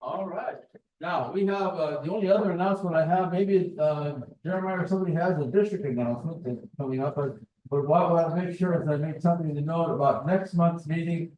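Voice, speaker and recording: A man hosting a meeting, giving halting, appreciative closing remarks informally in a meeting room. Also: fairly high pitch, a little hiss or hum. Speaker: meeting host. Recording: dull, echoey room sound.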